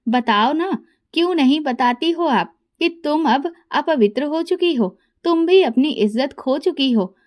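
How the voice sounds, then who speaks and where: Brief: taunting scheming man, as a woman reads him, high voice. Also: animated, a little slow, darkish tone. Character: scheming man, brother-in-law, mocking.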